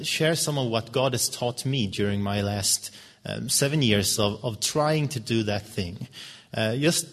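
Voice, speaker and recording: A man whose first language is Swedish preaches a sermon in English, earnest and halting, with fillers and restarts. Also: mid-range voice. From Sweden. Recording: long reverb of a hall.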